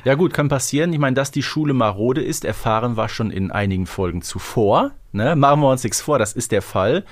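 A man's voice: mid-range voice, lively intonation, brisk. A man co-hosting a podcast, chatting casually and retelling a story, often ending on tag questions. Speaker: podcast co-host.

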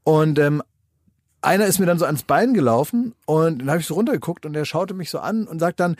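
A man's voice: on the high side, lively intonation, brisk, no room sound, clean studio sound. A man co-hosting a podcast who tells long, rambling anecdotes full of fillers in casual banter. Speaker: podcast co-host.

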